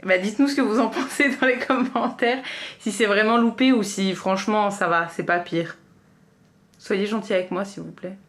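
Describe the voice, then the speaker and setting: Vlogueuse au ton hésitant. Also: female voice, medium pitch, fairly even intonation, moderate pace, fairly bright tone. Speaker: vlogger. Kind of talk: casual vlog chat.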